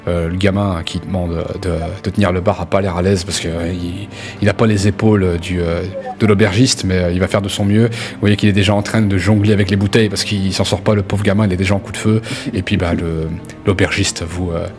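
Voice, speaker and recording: Soft music runs under a man's fairly low voice. He is a game master improvising scene descriptions for a tabletop game. He speaks haltingly and addresses his players directly. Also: level tone.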